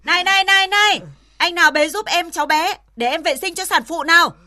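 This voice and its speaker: An actress playing a brisk, bossy woman medic. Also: very high voice, sharp tone, heavily acted. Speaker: medical worker.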